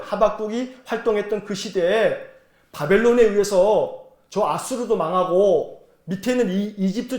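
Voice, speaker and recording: A male pastor delivers a Sunday sermon in a church sanctuary. He speaks in a high register and lays out the history step by step, asking rhetorical questions along the way. His voice echoes through the roomy hall. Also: a little mellow. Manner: explanatory storytelling, rhetorical questions to the congregation.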